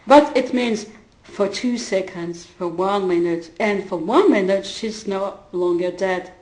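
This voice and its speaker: A woman whose first language is not English, retelling a conversation in a halting way with many fillers and restarts and frequent laughter. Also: medium pitch, darkish tone. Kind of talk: casual spoken retelling. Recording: roomy echo.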